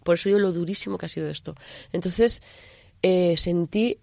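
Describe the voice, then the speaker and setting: A woman's voice: lowish voice, moderate pace, gravelly, a little mellow, no echo. A woman with an accent from Spain, chatting candidly and emphatically as an interview guest, often repeating herself. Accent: Spanish, from Spain. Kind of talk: candid, chatty personal testimony.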